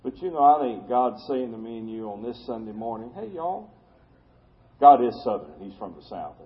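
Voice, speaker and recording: A man's voice: on the low side, a little fast, lo-fi sound. A man preaching a sermon to his congregation, folksy and conversational, with asides to the folks in the pews. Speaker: pastor.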